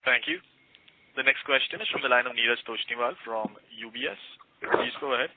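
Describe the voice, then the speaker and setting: A fast-paced man moderates a conference call with formal, courteous scripted announcements. The sound is a narrow phone line with slight noise and clicks. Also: medium pitch, sing-song, gravelly. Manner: formal, polite. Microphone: telephone.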